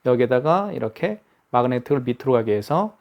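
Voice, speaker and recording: Here the same kind of hands-on tutorial comes from a man with an ordinary mid-range voice who demonstrates a gadget and patiently repeats phrases to be understood. He speaks fairly quickly and expressively, his voice creaky, and the audio is dull.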